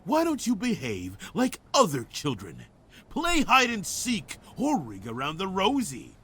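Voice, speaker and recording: An actor playing a menacing, scornful older man in a horror game who mocks and shouts with a raspy, gravelly voice. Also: sits high, wildly swooping pitch, a little slow, heavily acted. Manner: sneering, mocking, shouting.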